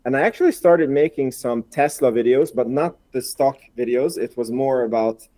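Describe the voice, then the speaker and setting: Mellow-voiced man from Hungary, chatty. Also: medium pitch, normal speed. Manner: chatty, repeats words, slightly non-native phrasing. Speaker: guest, investor and YouTuber. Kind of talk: casual podcast conversation.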